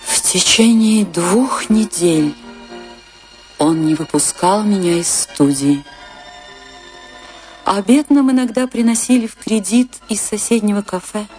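An actress playing a passionate dancer in a radio play, with a theatrical, tender and measured delivery. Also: female voice, medium pitch, animated, darkish tone, lightly acted. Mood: reminiscing. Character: Isadora, passionate woman dancer recalling her great love. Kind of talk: radio play narration and dialogue. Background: music behind the voice.

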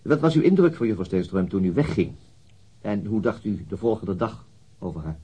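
Radio drama role: courteous, persistent police inspector; very husky, lively pitch, formal probing. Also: male voice, brisk.

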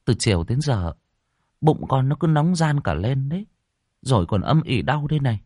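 A man's voice: mid-range voice, sing-song, moderate pace, dark tone, dry recording, studio quality, pitched above the performer's own voice. A man doing a weary pregnant young woman. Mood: tired complaint. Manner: tired, subdued.

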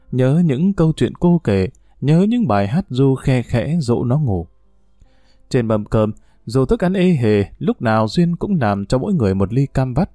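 Dark-voiced man reading a story. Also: mid-range voice, no room sound, studio quality. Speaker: narrator. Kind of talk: scripted story narration.

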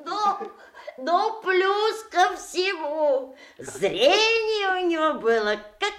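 An actress playing an expressive woman who tells rambling family anecdotes in a theatrical audio drama. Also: extremely high pitch, very slow, exaggerated voice. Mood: laughing, playful.

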